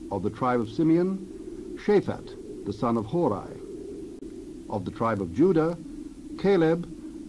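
A man narrating a dramatized scripture reading in measured, deliberate phrases. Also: medium pitch. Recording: dull, noisy recording with background ambience.

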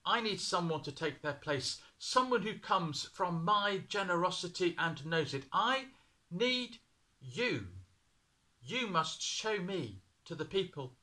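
A man voicing God as a commanding, solemn presence who speaks in a raised, forceful, declaiming way. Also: sits high, sing-song, slow, pitched above the performer's own voice, exaggerated voice.

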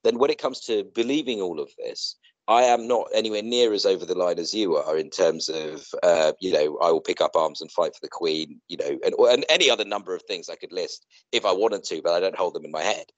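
A middle-aged man chatting casually on a video call in a rambling, halting way that often circles back on itself. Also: deep voice, no echo, dull audio. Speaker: co-host in a two-person online chat. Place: indoor room, video call.

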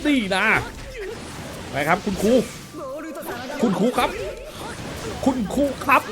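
Excitable man mouthing fight sound effects. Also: high-pitched, slow, crowd noise. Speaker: gaming YouTuber. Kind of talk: playful gameplay commentary. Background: game music.

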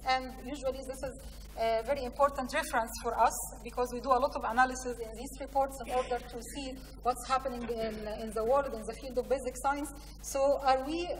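Higher-voiced Egyptian woman presenting in echoey hall. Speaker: conference speaker, science programme representative. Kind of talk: conference presentation with slides. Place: large conference hall, indoors. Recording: echoey hall, distant mic, faint noise.

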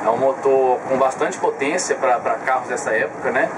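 A young man in his twenties with a Brazilian Portuguese accent, calmly explaining his motorhome to an interviewer and pausing on filler sounds. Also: medium pitch. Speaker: motorhome owner showing his vehicle. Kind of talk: casual interview, explaining details. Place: inside a parked motorhome. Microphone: camera mic, speaker facing the camera at close range. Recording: distant camera mic with clear background noise.

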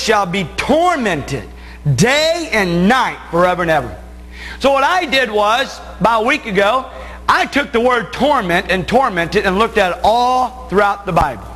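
High-pitched American preacher in a reverberant hall. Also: male voice, pushed and bright. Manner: emphatic, stressing key phrases with drawn-out words. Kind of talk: Bible sermon to a congregation. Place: church sanctuary, at the pulpit and pacing beside it.

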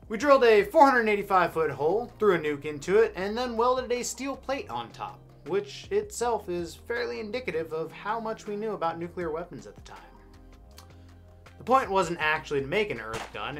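An American man in his thirties narrating scripted comic history with wry, deadpan sarcasm. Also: on the high side. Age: 30s. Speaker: host. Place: indoor studio with backdrop.

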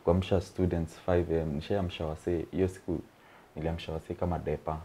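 A young Kenyan man with a very low, deep voice and a Kenyan accent. He is a comedian guest on an interview couch, and he tells his story in a loose, rambling way, chuckling and dropping in slang. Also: flat delivery, fairly quick, mellow, a little hiss or hum. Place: TV-style studio set with sofas, indoors.

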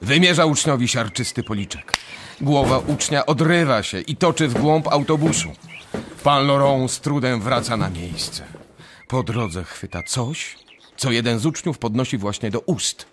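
A man's voice: medium pitch, animated, a little slow, noisy background. A man narrating a radio drama from a script.

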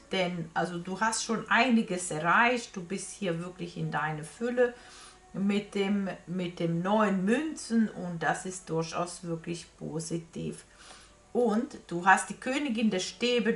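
A woman's voice: medium pitch, fairly bright tone. A woman giving a casual tarot reading to viewers, hesitant in phrasing and often repeating herself, recorded in a small room. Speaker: tarot reader. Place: small room crowded with statues and cards. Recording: roomy echo from camera distance.

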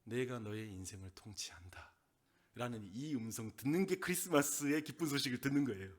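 A male pastor with a Gyeongsang Korean accent preaching a sermon, swinging between loud, emphatic lines and soft whispered asides. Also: mid-range voice, expressive, fairly quick.

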